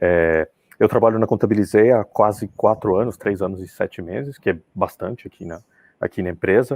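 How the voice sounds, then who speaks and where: Recorded dry and close with no echo, a man with a fairly low pitch and a dark, mellow tone speaks at a moderate pace with ordinary pitch variation. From Colombia. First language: Spanish (speaking Portuguese). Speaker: product and design manager. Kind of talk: webinar talk. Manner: halting, many fillers.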